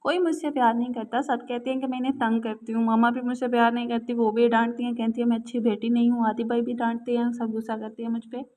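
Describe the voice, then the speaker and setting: A woman's voice: on the high side, flat delivery, quick pace, few pauses, darkish tone, natural voice. A woman voicing a mischievous young woman who teases her family with melodramatic threats, in a storybook reading. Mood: mock-tragic. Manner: playful, melodramatic.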